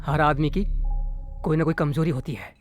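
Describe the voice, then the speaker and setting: An actor playing a doctor who states the facts of a death plainly and with certainty. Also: male voice, on the high side, moderate pace, soft background music, close to an everyday voice. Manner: matter-of-fact, certain. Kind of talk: film dialogue.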